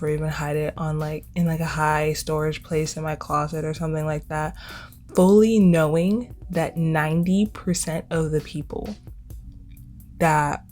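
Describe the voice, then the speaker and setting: A woman's voice: sits low, a little mellow. A twenty-year-old woman hosting a casual solo podcast, talking in a chatty, informal way and repeating words for emphasis. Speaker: podcast host.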